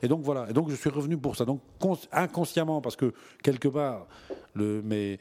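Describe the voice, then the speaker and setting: A man's voice: medium pitch, normal speed, dark tone. A man, a gallery owner speaking in a casual interview, emphatic and passionate, often repeating words as he searches. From Belgium. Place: art gallery.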